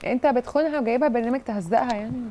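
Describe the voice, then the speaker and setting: An Egyptian host on a TV studio set who questions a guest, speaks to the audience, and urges calm. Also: female voice, fairly high pitch, very fast. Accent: Egyptian Arabic.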